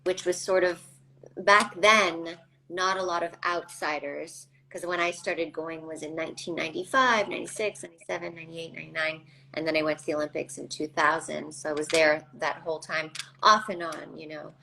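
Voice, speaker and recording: Woman, forties, from Canada, interview guest, reflective, lower voice, faint background hum. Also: steady tone, fairly quick, vocal fry, sharp tone, poor audio. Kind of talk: casual interview talk.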